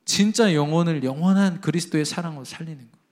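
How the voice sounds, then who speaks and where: A male preacher delivering a sermon with a fairly high-pitched voice. He talks emphatically, pushing up into loud exhortations and then dropping down low. He acts out the dialogue of his own anecdotes. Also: fast. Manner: tells a family anecdote with quoted dialogue.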